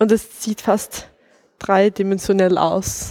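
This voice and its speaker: Speaking very slowly with a Swedish accent, a woman has a dark, mellow tone and a monotone, flat intonation. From Sweden. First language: Swedish (speaking German). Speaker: exchange student. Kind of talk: casual chat. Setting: in a museum exhibition. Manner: halting.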